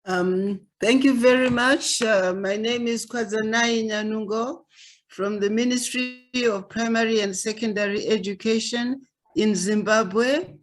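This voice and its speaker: A man with a notably high voice introduces himself as an education ministry official. He speaks courteously and apologetically, heard over a video call. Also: fairly even intonation, measured pace, faint music behind. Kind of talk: self-introduction.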